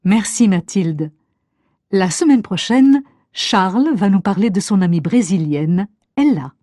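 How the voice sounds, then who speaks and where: A woman's voice: mid-range voice, expressive, unhurried, warm tone, no echo, studio quality. A woman playing a friendly show host interviewing a student, in a scripted learner dialogue.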